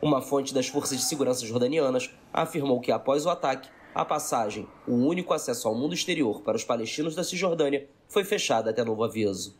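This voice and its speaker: Quick-talking Brazilian man reporting news. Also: medium pitch, husky. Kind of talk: scripted news voice-over narration.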